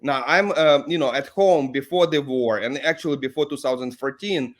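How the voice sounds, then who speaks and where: A man from Ukraine, whose first language is Russian, answers interview questions in English. His voice sits at an ordinary middle pitch. He talks in a deliberate, earnest manner, repeating and restarting phrases as he thinks. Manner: deliberate, earnest, with frequent restarts and "you know". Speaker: professor, interview guest.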